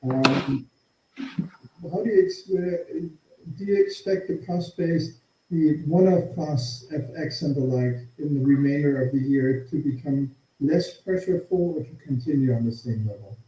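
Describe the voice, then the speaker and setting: A man with a very mellow, dark and slightly high voice moderates an investor call as an analyst. He sounds conversational, in an echoing space. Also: measured pace. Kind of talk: conversational questioning on an earnings call. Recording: muffled echoey call, faint noise, clicks.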